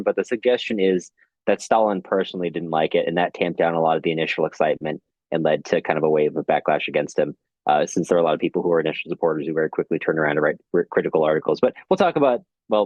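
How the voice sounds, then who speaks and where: A man's voice: low voice, darkish tone, dry recording, muffled recording. A man hosting a podcast, talking casually about literature in a hesitant, hedging way. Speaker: podcast host.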